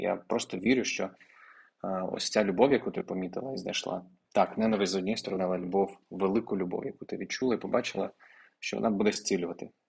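Though his pace is fairly quick, a man with a fairly low pitch takes long, frequent pauses and keeps fairly even intonation. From Ukraine. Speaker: podcast host, journalist and business coach; podcast host. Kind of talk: interview. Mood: warm, empathetic. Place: home room. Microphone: earbuds.

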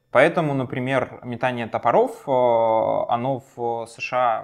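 Here a man talks in a normal speaking voice at medium pitch with ordinary pitch variation. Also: hardly any pauses. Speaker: knife collector and knife thrower. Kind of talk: casual interview chat. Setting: studio.

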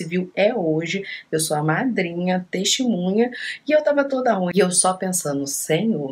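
A woman's lively intonation at a fairly slow pace. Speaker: beauty vlogger. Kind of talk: casual vlog chat. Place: home room. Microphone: phone near.

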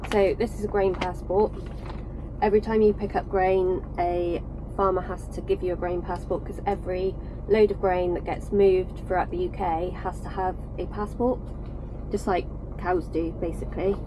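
A woman talks at a moderate pace, and noticeable background noise can be heard. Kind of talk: casual vlog chat. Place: car. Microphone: camera far.

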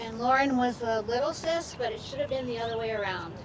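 This woman's intonation stays fairly even, with noticeable background noise in the recording. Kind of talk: ceremony speech. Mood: heartfelt, storytelling. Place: stadium.

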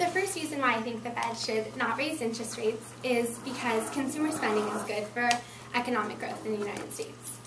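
This woman talks at a fairly quick pace. There is noticeable background noise. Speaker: college student. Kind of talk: classroom speech. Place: classroom. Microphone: camera far.

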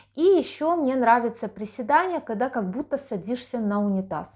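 Against a quiet background, a woman with a fairly high pitch speaks with lively intonation. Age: 30s. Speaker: beauty vlogger. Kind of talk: vlog monologue.

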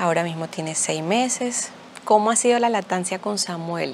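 At a medium pitch, this woman's voice is heard against noticeable background noise. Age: 30s. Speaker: breastfeeding mother. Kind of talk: personal testimony.

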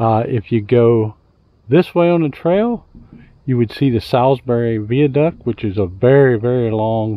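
A man speaking at a very slow pace, ordinary pitch variation, dry sound with no echo. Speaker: vlogger. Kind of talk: casual vlog chat. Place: street. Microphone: phone near.

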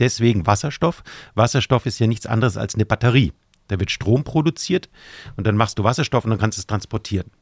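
A man's somewhat breathy voice, very fast and with lively intonation. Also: quiet background, dry sound with no echo. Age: 50s. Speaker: professor of sustainable finance. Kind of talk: casual interview conversation. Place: studio. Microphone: studio mic.

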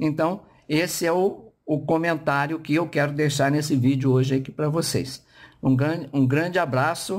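The speech moves at a moderate pace with fairly even intonation and very even loudness, in a very clean recording with a silent background. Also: man, fairly high pitch for a man. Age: 60s. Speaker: spiritual author and teacher. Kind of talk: video monologue. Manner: halting, many repetitions; direct.

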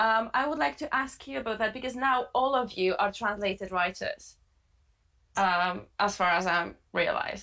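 Against a quiet background, a woman talks at a moderate pace with a fairly high pitch, lively intonation and a bright, sharp tone. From Poland. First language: Polish. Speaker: panel moderator and translator; panel moderator. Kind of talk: moderated literary panel discussion. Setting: video call. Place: home room.

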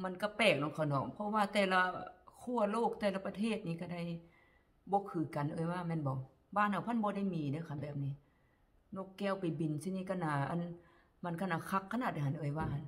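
Somewhat breathy, a woman speaks with a fairly low pitch and ordinary pitch variation. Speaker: vlogger. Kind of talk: casual vlog chat. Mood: cheerful, chatty. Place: kitchen. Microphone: phone near.

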